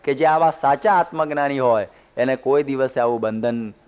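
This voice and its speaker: A man's voice: mid-range voice, moderate pace, clean tone. A man, a monk, giving a sermon, telling homely stories with humorous asides. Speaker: monk giving a religious discourse. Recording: dull lo-fi CD recording.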